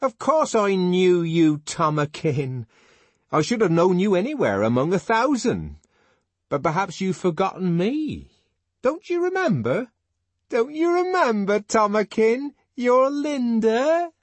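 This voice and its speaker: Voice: medium pitch, very animated, no room sound, pitched above the performer's own voice. A reader voicing a desperate, anguished middle-aged woman from a novel, pleading in a trembling, wailing voice. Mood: indignant pleading. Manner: wailing, trembling, drawn-out cries.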